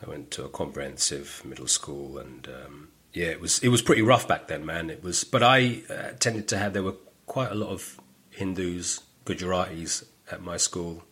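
A middle-aged man with a London accent and a low, husky voice. He talks casually as a guest on a podcast, telling stories with animation and sometimes acting out other people's lines. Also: moderate pace. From northwest London. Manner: animated storytelling, acts out quoted voices. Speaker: stand-up comedian guest.

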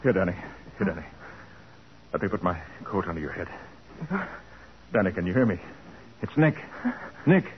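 A calm, authoritative male detective from a 1940s radio crime show. His low voice swings with expressive emphasis and brisk command. It comes through a dull old broadcast recording. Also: slight background noise. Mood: urgent. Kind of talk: 1940s radio drama acting.

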